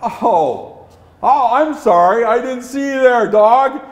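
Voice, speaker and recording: A man's voice: high voice, takes it slowly, roomy sound, pitched above the performer's own voice. A man voicing a proud, easily exasperated male tribal leader hosting a feast in an oral folktale. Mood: apologetic. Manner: loud, declarative calling out. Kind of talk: oral storytelling character.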